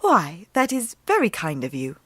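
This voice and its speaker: A woman's voice: lowish voice, wildly swooping pitch, moderate pace, fairly bright tone, slightly rough, no room sound, clean studio sound, exaggerated voice. A woman voicing a polite, innocent young girl in a storybook reading, with courteous, plain speech. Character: polite, resourceful young girl in fairy tale.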